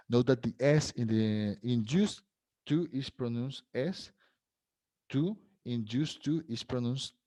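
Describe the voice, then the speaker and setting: Male English teacher, native Spanish speaker with a Mexican accent, slow and patient, explains in Spanish and checks in with frequent tag questions. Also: medium pitch, darkish tone. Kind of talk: bilingual grammar lesson.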